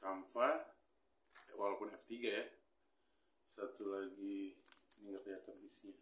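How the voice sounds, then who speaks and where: A man in his thirties, a hobby vlogger, talks through an unboxing in a small pink-walled room, full of fillers and mild grumbles as he thinks aloud. His lowish, fairly bright voice keeps a level tone at normal speed, with roomy sound and slight hiss or hum.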